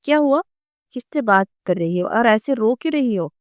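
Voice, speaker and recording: A woman reading the lines of a young male boss who speaks gently and reassuringly. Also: on the high side, animated, dry recording, studio quality, natural voice.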